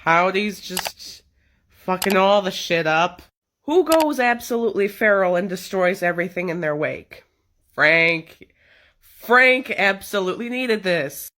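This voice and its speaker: Slow-paced woman giving casual reactions. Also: medium pitch, lively intonation, a bit bright.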